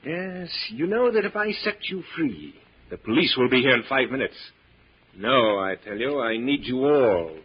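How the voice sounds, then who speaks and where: A megalomaniac mad scientist gloats and commands with wildly swinging, theatrical delivery. The voice is slightly husky, in a muffled old radio drama recording. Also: male voice, medium pitch, expressive, normal speed. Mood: menacing. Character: megalomaniac mad scientist professor, grandiose and menacing.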